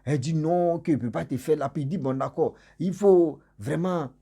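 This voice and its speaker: A man narrates a mystical tale in a relaxed, spoken way. His voice is a little husky, and he jumps up in pitch whenever he acts out what the characters say. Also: moderate pace. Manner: animated, acts out dialogue with raised pitch. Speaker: storyteller. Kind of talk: casual spoken storytelling.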